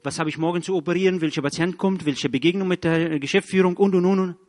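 A middle-aged man, a surgeon, telling his church testimony in an earnest, animated way, with slightly broken German grammar. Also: high voice, quick pace, long reverb tail. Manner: earnest, animated storytelling with acted quotes and repetitions.

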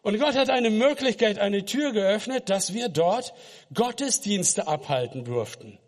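Earnest man with a high-pitched voice. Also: animated, unhurried, big-room sound. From Kazakhstan. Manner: earnest, addresses the listener directly. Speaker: missionary preacher. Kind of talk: personal faith testimony.

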